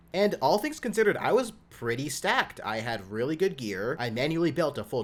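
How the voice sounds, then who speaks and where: At a very fast pace, a man speaks with a fairly high pitch and vocal fry. His pitch makes very wide swings. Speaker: gaming YouTuber. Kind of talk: narrated gaming story voiceover.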